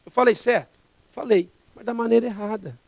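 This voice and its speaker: A man's voice: extremely high pitch, brisk, vocal fry, dry recording. A man preaching a sermon as pastor, emphatic and full of rhetorical questions.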